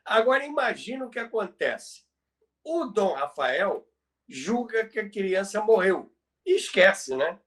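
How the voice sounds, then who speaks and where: An older man with a Brazilian accent telling a story conversationally, halting and repeating phrases for emphasis. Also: high voice, sing-song, fairly bright tone. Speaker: podcast host and storyteller. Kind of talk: conversational retelling of radio history.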